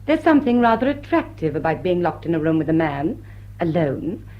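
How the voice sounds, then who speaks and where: A woman's voice: on the low side, sing-song, a little fast, dull audio. An actress playing an elegant, witty lady jewel thief with arch, poised delivery in the style of a classic stage comedy. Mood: amused, flirtatious. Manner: arch, poised, dry upper-class wit. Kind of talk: classic stage comedy radio drama acting.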